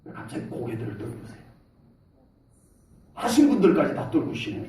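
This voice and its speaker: A middle-aged man preaching a sermon as pastor in a church, talking with lively gestures of voice and shouting out salutes as he acts out soldiers. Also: mid-range voice, fairly quick, a little hiss or hum. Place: church sanctuary. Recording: echoey hall, mic from a distance.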